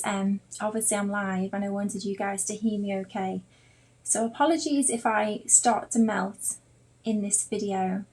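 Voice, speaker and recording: A woman's voice: medium pitch, a little mellow, poor audio. A woman with a Liverpool accent teaching art in an informal live stream, chatting in a rambling way straight to her viewers. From Liverpool, England. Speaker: artist and online drawing teacher.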